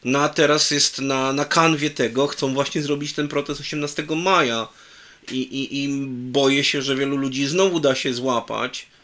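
Middle-aged host, emphatic, winding questions, video call from a bookshelf room. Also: male voice, mid-range voice, steady tone, normal speed, bright, forceful tone. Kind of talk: political interview over video call. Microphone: video call webcam.

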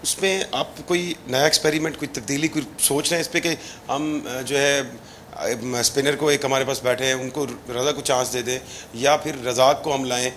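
Reporter, hesitant rambling question, light room noise. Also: male voice, medium pitch, fairly even intonation, moderate pace, a bit bright.

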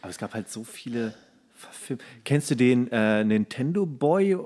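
A man's voice: medium pitch, expressive, moderate pace, dark tone. A man co-hosting a podcast, chatting casually in a colloquial, enthusiastic way. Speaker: podcast co-host. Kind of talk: casual chat about films and series.

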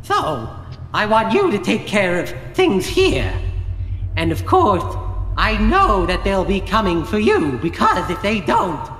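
A man's voice: high-pitched, wildly swooping pitch, takes it slowly, fairly bright tone, exaggerated voice. A man playing a scheming, condescending villain in command, drawling theatrically in an audio drama. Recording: echoey hall with faint ambient noise.

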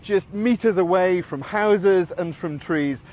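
Male reporter for scripted news voice-over, voice a little on the high side. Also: slow, a little mellow.

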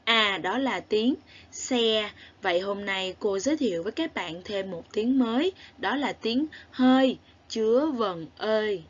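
A woman with a southern Vietnamese accent teaching a recorded lesson to young children, spelling sounds aloud clearly and praising the class. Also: medium pitch, animated, normal speed, hardly any pauses, a little mellow, muffled recording. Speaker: primary school teacher.

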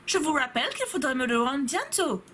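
A woman's voice: very high-pitched, quick pace, bright, forceful tone, slight background noise, pitched above the performer's own voice. A young woman putting on a fussy female teacher with a comic mixed English-German accent while reading a story game. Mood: mock-formal. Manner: exaggerated put-on accent.

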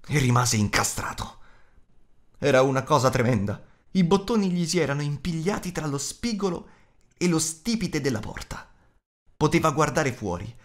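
A man narrating an audiobook in an expressive, measured storytelling manner. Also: medium pitch.

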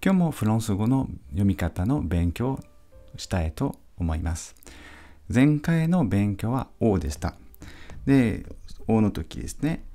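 A male teacher giving a patient pronunciation lesson, repeating each sound slowly for practice. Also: on the low side, creaky, dark tone. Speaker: French teacher.

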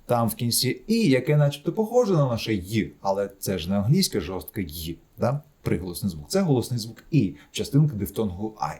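Man teaching a lively pronunciation lesson. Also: fairly low pitch, a little fast, hardly any pauses. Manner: explaining patiently, repeating word examples in drills. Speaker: English teacher. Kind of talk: recorded grammar lesson.

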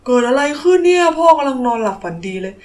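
A woman's voice: sits high, big pitch swings, fast, darkish tone. A woman voicing a sleepy, puzzled father who grumbles and exclaims in a children's toy story. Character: sleepy, startled father roused from his nap.

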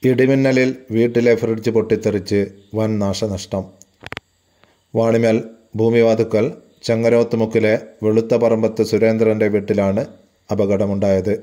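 A man reading a local news report in a steady, formal manner. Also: lowish voice, moderate pace. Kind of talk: scripted news narration.

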